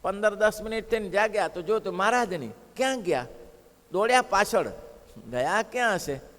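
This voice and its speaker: A man's voice: high voice, expressive, normal speed, a bit bright. A male preacher telling a devotional story in an emphatic style, repeating phrases and asking rhetorical questions. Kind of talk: sermon storytelling. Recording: long hall reverb.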